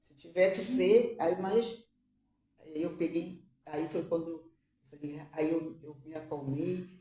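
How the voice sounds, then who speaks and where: A woman tells an emotional religious testimony in a halting way, repeating her words and tearful at times. Her voice is low and mellow. It sounds distant, in an echoey room. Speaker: mother giving a testimony.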